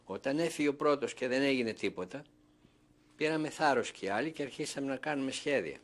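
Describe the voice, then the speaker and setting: A man's voice: mid-range voice, expressive. Older man giving oral history testimony. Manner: storytelling that acts out remembered dialogue.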